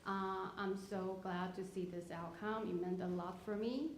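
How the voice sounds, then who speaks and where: A woman's voice: mid-range voice, fairly even intonation, unhurried. Woman from Taiwan presenting in a roomy hall. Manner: explanatory, with frequent "uh" and "so". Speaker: theater producer presenting a slideshow. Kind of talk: live presentation to an audience. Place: theater auditorium at a live event. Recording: roomy hall sound with faint noise.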